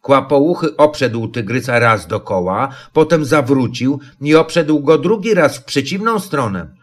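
A man narrating a children's storybook in a calm, measured way. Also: medium pitch. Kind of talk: storybook reading.

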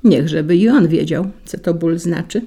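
A woman's voice: lowish voice, moderate pace, dark tone, slightly rough. A woman voicing a spiteful, boastful male wind. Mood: sly. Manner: sly and taunting, rising to bluster.

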